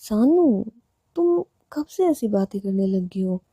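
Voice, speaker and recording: A woman voicing a quick-tempered but loving young college woman who scolds loudly and often turns indignant. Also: medium pitch, sing-song, breathy edge, dry recording, studio quality, exaggerated voice. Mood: affectionate.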